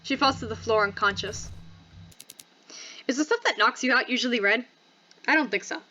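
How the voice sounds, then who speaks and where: A woman narrates a visual novel aloud and slips in casual asides. Her voice is high and bright, and there is clear noise in the recording. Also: normal speed, muffled recording. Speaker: host reading a visual novel game aloud.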